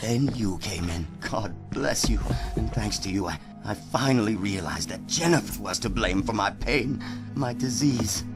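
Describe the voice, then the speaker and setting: An actor playing an older, guilt-ridden father in a horror game, with a creaky voice and halting, anguished, slow delivery. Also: lowish voice. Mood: broken, confessing. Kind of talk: dramatic horror game acting. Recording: music under the voice.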